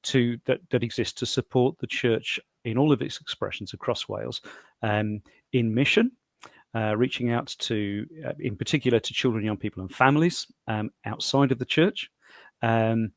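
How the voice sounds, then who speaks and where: Male, sixties, South London accent. Interview guest explaining things haltingly, mid pitch, dry sound. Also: creaky, no echo. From South London, England. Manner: halting, repeats words as he explains. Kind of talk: conversational interview answers.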